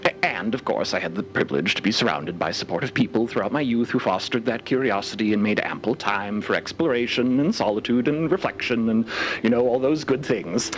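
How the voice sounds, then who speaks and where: A man's voice: on the low side, fairly quick, slight background noise, lightly acted, poor audio. A man playing an optimistic, erudite cosmologist in an audio drama interview, with florid, theatrical phrasing. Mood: wistful, curious. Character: eager, optimistic, erudite male professor and cosmologist.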